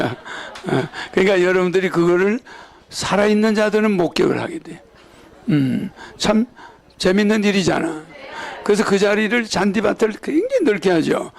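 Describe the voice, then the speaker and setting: An older man with a Gyeongsang accent delivers a rambling sermon. His voice sits high and carries a gravelly rasp. He keeps checking in with his listeners through quick rhetorical questions. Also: darkish tone. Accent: Gyeongsang Korean. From Gyeongsang region, South Korea. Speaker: religious leader.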